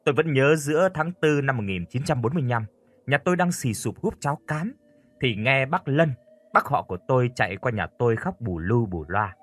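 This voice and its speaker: Man reading a horror audiobook, husky tone, lively pitch, faint music behind. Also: brisk. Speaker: audio story narrator. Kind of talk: scripted first-person horror narration.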